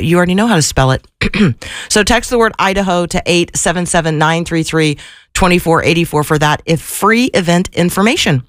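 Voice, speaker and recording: Gravelly-voiced woman radio host. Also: lowish voice, dry recording, studio quality. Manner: chatty and effusive, with fillers and restarts. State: slightly gravelly from allergies. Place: radio studio. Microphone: studio microphone.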